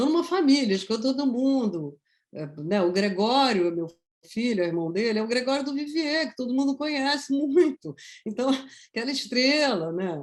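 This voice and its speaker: A woman's high pitch with very wide swings at a moderate pace. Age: 60s. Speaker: author. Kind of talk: public talk with audience Q&A. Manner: conversational.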